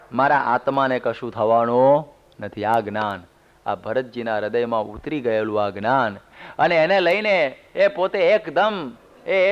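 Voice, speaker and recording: Male monk, sermon delivery, folksy storyteller, smooth clear tone, muffled lo-fi recording. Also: medium pitch. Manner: storytelling, homely humorous asides. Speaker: monk giving a religious discourse. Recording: dull lo-fi CD recording.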